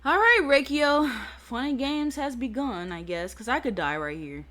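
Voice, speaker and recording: Excitable woman gaming commentator. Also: high-pitched, moderate pace, faint music behind. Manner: excitable, stammering, reacts out loud. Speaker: let's play host. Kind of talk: game commentary.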